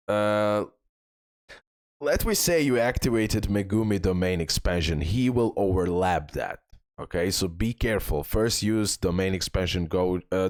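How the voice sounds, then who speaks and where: A man's voice: low voice, no room sound, clean studio sound. A man hosting a game guide, reading out skill descriptions and giving tips informally, addressing viewers directly and repeating points for emphasis. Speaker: gaming content creator and host.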